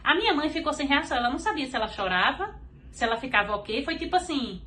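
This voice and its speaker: Speaking fast and with lively intonation in a high-pitched voice, this podcast guest from Brazil carries a Brazilian Portuguese accent. She gives a sincere testimony of faith, voicing other people's words, while a crowd can be heard behind her.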